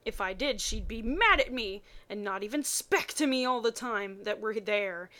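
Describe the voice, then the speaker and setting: A woman's voice: mid-range voice, animated, normal speed, pushed and bright. A woman voicing a lovestruck, earnest teenage boy in a melodramatic story reading. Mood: dreamy.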